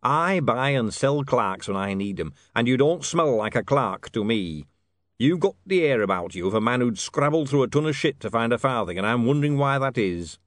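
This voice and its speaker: A man doing a gruff, drawling, shrewd rough-edged boss. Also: mid-range voice, lively intonation, moderate pace, fairly bright tone, dry recording, studio quality, lightly acted. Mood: blunt, shrewd. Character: gruff, shrewd, rough-spoken self-made older male businessman.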